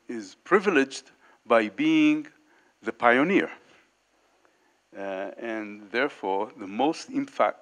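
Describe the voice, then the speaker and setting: Halting older man on a handheld mic. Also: on the low side, a bit bright. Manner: halting, many fillers and restarts, gestures while talking. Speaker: panelist. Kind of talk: unscripted panel remarks. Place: large indoor meeting hall, panel table.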